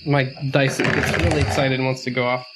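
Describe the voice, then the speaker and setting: A man's voice: medium pitch, flat delivery, fairly quick, over loud music, poor audio. A man playing a tabletop role-playing game, casually describing what his character does.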